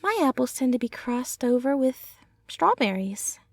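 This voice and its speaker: A woman playing a gentle, affectionate young centaur girlfriend in an ASMR roleplay, speaking softly and tenderly in an unhurried ramble. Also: sits high, sing-song, dry recording, heavily acted. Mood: gentle, chatty.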